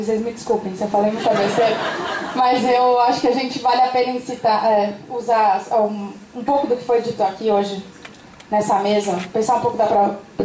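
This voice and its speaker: A woman with a Brazilian accent, an audience member giving a halting, apologetic comment at a university talk. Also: medium pitch, mellow. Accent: Brazilian Portuguese. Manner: halting, many fillers and restarts, apologetic. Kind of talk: hesitant public comment at a lecture. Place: university auditorium. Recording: echoey hall, voice from far off, faint noise.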